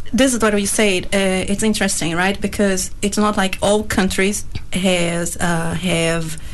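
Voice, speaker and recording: In a Portuguese accent, the speaker talks at a fairly slow pace with very even loudness and fairly even intonation. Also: woman, medium pitch for a woman. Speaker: radio host. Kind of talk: casual chat. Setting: studio. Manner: laughs often.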